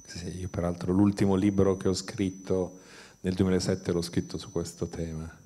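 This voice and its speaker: Low-voiced middle-aged man on a panel. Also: little pitch movement, moderate pace, mellow. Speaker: panel speaker. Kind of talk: conversational panel discussion. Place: stage of a museum auditorium. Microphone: handheld microphone.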